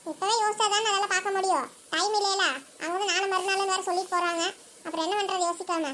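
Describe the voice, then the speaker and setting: A woman's voice: very high voice, fairly even intonation, fast, fairly bright tone, a little hiss or hum. A woman voicing all the characters of a village family cartoon in chatty, fussing banter. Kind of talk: cartoon voice acting.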